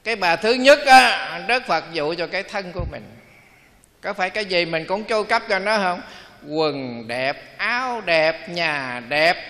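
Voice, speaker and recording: Male monk, dharma talk, high voice, bright tone, folksy storyteller, echoing hall. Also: animated, unhurried. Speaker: Buddhist monk.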